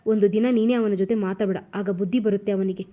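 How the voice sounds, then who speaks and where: An outspoken village aunt raises her voice in scolding in a storybook tale, voiced by a woman narrator. Her tone is warm and mellow. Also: mid-range voice, steady tone, fast talker, natural voice.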